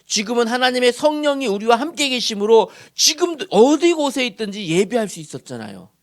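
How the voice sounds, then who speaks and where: A male pastor preaching a sermon in a church, posing questions to the congregation and answering them himself, moving from loud emphasis to soft murmurs. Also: extremely high pitch, very animated, a little fast. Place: church sanctuary.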